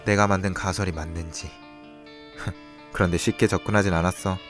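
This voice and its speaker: Brooding young man, played by a male actor, deep register, cold audio-drama narration over prominent music. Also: steady tone, fairly quick, natural voice. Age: young adult.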